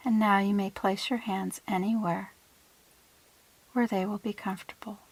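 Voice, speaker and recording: A woman leading a guided visualization in a soothing, hushed manner, with deliberate phrasing and breathy trailing ends. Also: medium pitch, level tone, rough recording. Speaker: guided meditation leader.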